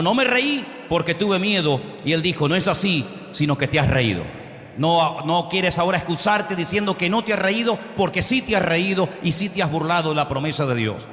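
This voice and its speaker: Male pastor, high bright voice, emphatic sermon, echoey church hall. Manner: emphatic preaching with call-and-response questions and dramatized quotes.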